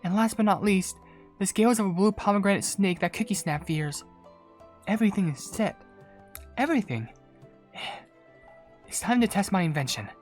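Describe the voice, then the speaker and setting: A woman voicing a gentle, courteous young female incense maker in a game, polite and measured. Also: mid-range voice, expressive, natural voice. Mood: focused. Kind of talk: reading game dialogue aloud in character. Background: game music.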